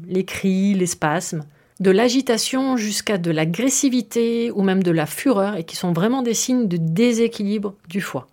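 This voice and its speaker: A woman's voice: medium pitch, darkish tone. A woman hosting a podcast and explaining her subject in a friendly, conversational way, with filler words and some self-mocking humor. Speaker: podcast host.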